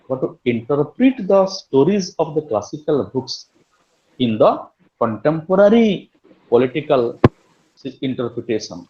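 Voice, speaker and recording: A man's voice: a little high, dull audio. A man giving an online literature lecture as a university lecturer, explaining point by point with frequent restarts. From India. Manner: explaining step by step, with many restarts.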